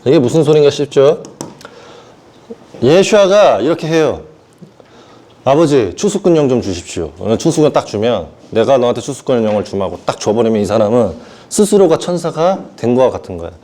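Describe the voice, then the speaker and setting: A male preacher with a mellow, relaxed tone gives a sermon. His pitch swings widely as he acts out the characters in the stories. He keeps stopping to ask the congregation whether they follow him. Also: a little fast. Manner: animated storytelling, acting out voices of Jesus and Peter; asks the listeners if they understand.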